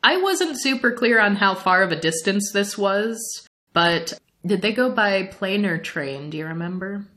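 A young adult woman from the Midwestern United States, chatting casually as a podcast co-host, animated and laughing often. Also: medium pitch, a little slow. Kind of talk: casual chat recapping an anime series.

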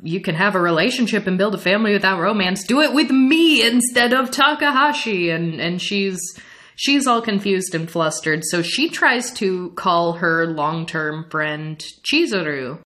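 A young adult woman from the Midwestern United States, chatting casually as a podcast co-host, animated and laughing often. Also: medium pitch, unhurried. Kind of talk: casual chat recapping an anime series.

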